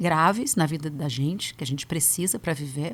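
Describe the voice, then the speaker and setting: With a normal speaking voice, a woman talks at a moderate pace, her fairly low pitch carrying lively intonation. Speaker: psychologist. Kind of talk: podcast interview.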